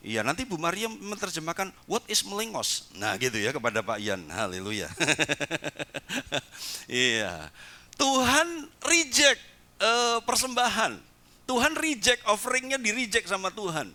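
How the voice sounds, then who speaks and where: A man preaching a sermon as pastor in a church service, animated, dropping English words in and urging the congregation to repeat after him. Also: sits high, normal speed. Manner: urges the congregation to repeat phrases.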